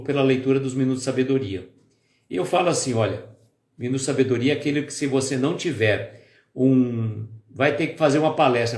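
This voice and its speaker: A man hosting a spiritist live stream, chatting casually with viewers by name and then slowly leading a calm guided prayer. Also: medium pitch. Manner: slow, soft and calm when leading the prayer. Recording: echoey room with faint music.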